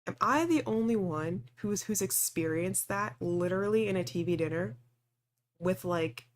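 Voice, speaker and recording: A woman doing a let's play, reading a visual novel aloud and reacting with animated, exasperated casual asides. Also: lowish voice, moderate pace, slight background noise.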